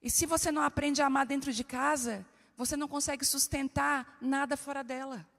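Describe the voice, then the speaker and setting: A woman pastor preaching a lively, humorous sermon and speaking directly to her listeners. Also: high-pitched, fairly quick, creaky. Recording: reverberant hall.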